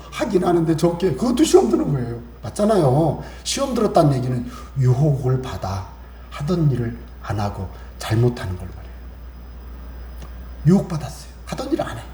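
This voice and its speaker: A man with a warm, fairly high voice preaches a Sunday sermon as a pastor, speaking conversationally, quoting scripture and acting out small exchanges. The recording is from an echoey church room with a faint hiss.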